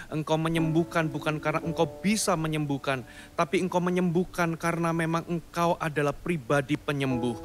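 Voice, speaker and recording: A male pastor giving a short devotional and then leading a fervent healing prayer with commanding declarations. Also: a little high. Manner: calm, soft-spoken storytelling. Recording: studio voice-over with faint music behind.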